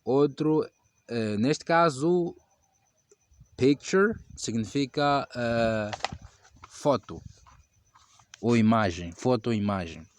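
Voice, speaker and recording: A man teaching English pronunciation to Portuguese speakers, slowly repeating each example word several times. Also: mid-range voice, no echo. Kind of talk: pronunciation lesson.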